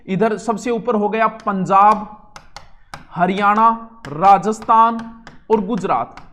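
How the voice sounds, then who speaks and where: Rajasthani male teacher, exam coaching, chatty and lively, mixes in local dialect. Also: sits high. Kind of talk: exam-prep geography lesson.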